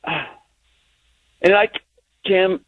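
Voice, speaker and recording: A man's voice: high-pitched, drawn-out words. A man in his sixties calling in to a radio show over the phone, ranting heatedly. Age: 60s. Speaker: caller. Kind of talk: call-in radio rant. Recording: tinny phone line.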